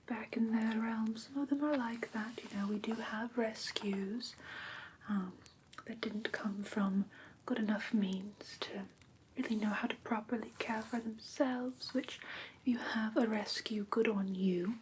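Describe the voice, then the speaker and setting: A woman playing a gentle, prim vampire teacher in whispered ASMR roleplay, breathy and careful, close to the microphone. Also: a little high, steady tone, a little slow, slight background noise, close to an everyday voice, rough recording. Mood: gentle, instructive. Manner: soft, careful, instructive, politely formal. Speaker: ASMR performer.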